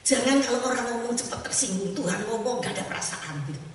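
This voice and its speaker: A woman evangelist preaching a sermon in a church, lively and warm with laughter, acting out the voices she quotes. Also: fairly high pitch, fast talker. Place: church sanctuary. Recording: echoey church hall, mic at a distance.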